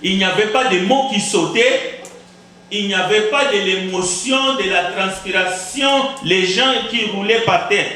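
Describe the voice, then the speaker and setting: A man's voice: high voice, sharp tone, very echoey, distant mic. A man preaching a sermon as pastor, with Kizimba as his first language, emphatic and repeating words for effect. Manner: emphatic, repeats words, rhetorical questions, deliberate pauses. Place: church sanctuary.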